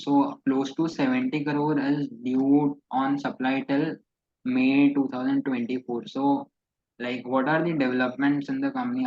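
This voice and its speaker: Male analyst, even intonation, mid pitch, slightly dull lo-fi call sound. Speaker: analyst asking questions. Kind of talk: conference call questioning.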